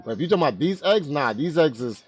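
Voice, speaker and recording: A man's voice: on the high side, animated, fast, breathy edge. A man hosting a casual livestream chat, giving advice in a slangy, laid-back way. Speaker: stream host.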